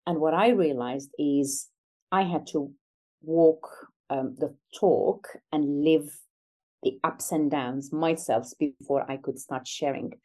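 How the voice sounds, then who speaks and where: Low, mellow middle-aged woman from Algeria. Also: takes it slowly. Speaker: interview guest, executive coach. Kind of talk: reflective conversational interview.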